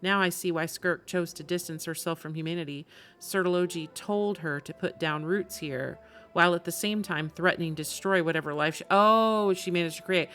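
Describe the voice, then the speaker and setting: Low-voiced woman streaming a game. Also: normal speed, a bit bright. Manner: conversational, musing aloud. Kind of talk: casual live reaction commentary.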